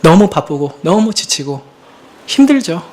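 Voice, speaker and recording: A man in his thirties, a pastor preaching a sermon in an earnest, confessional way, moving between hushed and emphatic delivery. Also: a little high, big pitch swings, measured pace, slight background noise.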